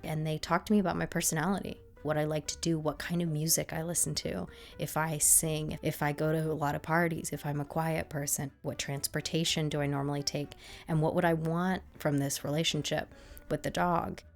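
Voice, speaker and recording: A woman's voice: sits low, level tone, brisk, gravelly, soft background music. A young adult woman telling her story casually, acting out voices and laughing often. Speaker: podcast guest.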